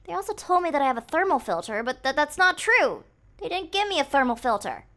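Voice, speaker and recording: A woman's voice: high voice, very animated, fast talker, bright, forceful tone. A woman livestreamer with a cute, girlish anime-like voice, commenting casually and playfully on a game to her chat, sometimes murmuring to herself. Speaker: livestreamer playing a horror game.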